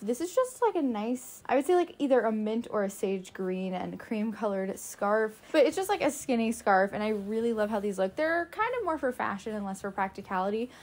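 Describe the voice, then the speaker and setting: A woman with a fairly high voice talks with hardly any pauses over noticeable background noise. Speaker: fashion YouTuber. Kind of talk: casual fashion try-on vlog. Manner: loud; chatty, filler-heavy.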